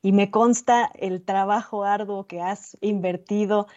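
A woman's voice: medium pitch, fairly even intonation, measured pace. Conversational female radio host, muffled. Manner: warm, grateful, conversational. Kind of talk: radio interview.

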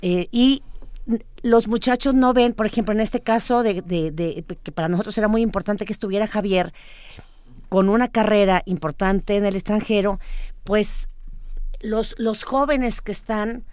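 Woman, interviewer, smooth clear voice, dry sound, halting and enthusiastic. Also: mid-range voice, darkish tone, dry recording. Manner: halting, many fillers and restarts, enthusiastic. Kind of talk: interview, hesitant chat.

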